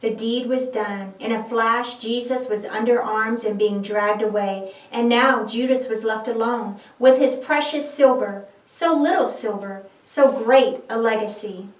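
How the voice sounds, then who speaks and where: A woman's voice: fairly high pitch, fairly even intonation, unhurried, hardly any pauses. Solemn woman narrating scripture, echoey room. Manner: theatrical, solemn storytelling. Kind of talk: dramatic scripted Bible narration. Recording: echoey room, distant microphone.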